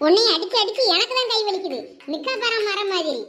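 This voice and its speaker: A woman's voice: lively intonation, quick pace, sharp tone, exaggerated voice. A woman playing a furious, strict village mother who scolds. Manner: scolding, shrill threats.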